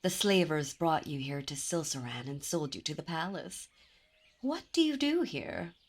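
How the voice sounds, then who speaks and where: A woman's voice: sits low, sing-song, moderate pace, full character voice. A woman voicing a commanding, seductive demon princess in an ASMR roleplay, speaking in a teasing, imperious and intimate way. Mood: intrigued.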